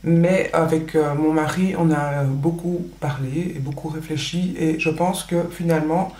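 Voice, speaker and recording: A woman's voice: sits low, steady tone, moderate pace, warm tone. Woman, Belgian French accent, native Dutch speaker, casual rambling chat, roomy echo. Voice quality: chatty, many fillers and restarts. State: pregnant. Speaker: vlogger. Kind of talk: casual chat while doing makeup.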